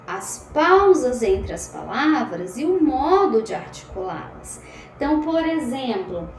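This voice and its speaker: Animated woman lecturer in a roomy space. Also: sits high. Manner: talks fast and a lot, animated, self-described anxious. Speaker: psychology lecturer. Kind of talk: online lecture. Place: home room at a computer. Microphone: computer audio. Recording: roomy sound, faint background noise.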